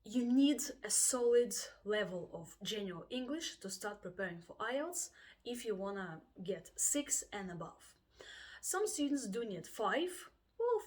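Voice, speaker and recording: Russian-accented woman, IELTS tutor type, chatty and animated, mid-pitched. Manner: chatty, acts out students' voices, frequent laughs. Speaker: IELTS teacher. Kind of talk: casual video lesson.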